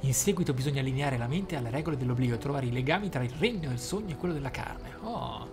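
A man's voice: medium pitch, lively intonation, quick pace. A man hosting a gaming channel, reading lore aloud expressively and musing on it in asides. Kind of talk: reading game lore aloud with off-the-cuff commentary. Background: game music.

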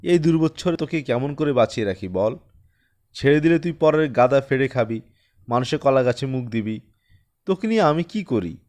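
A man voicing a hushed, tender farmer father. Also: medium pitch, lively intonation, normal speed, close to an everyday voice. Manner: soft, hushed pleading. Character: poor weary village farmer father, tender and anxious. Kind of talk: audiobook character reading.

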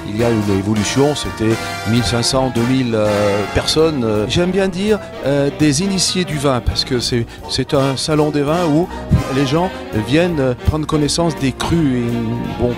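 An older man recalling a wine fair he founded, speaking slowly with many pauses and restarts into a handheld mic. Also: mid-range voice. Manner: hesitant, many fillers and restarts. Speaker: festival founder interviewed. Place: indoor event space, stand with banners.

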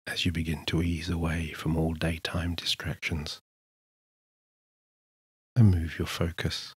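A man narrating a scripted sleep hypnosis session in a soothing, measured manner with unhurried pauses. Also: deep voice, monotone, breathy edge, dry recording, clean studio sound. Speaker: hypnotist, guided meditation narrator.

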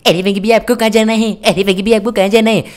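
A man's voice: sits high, level tone, racing, voice pushed up, lightly acted. A man voicing a cheeky, pushy little boy who repeats every line twice, in a comic gameplay role-play. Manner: says every line twice, starts with "arre Franky bhaiya".

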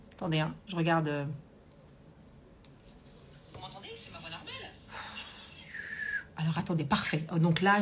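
Using a Bluetooth hands-free earpiece, this woman coach chats casually on her live stream, reads out comments and leans on lots of fillers. She has a lowish voice, and there's slight background noise.

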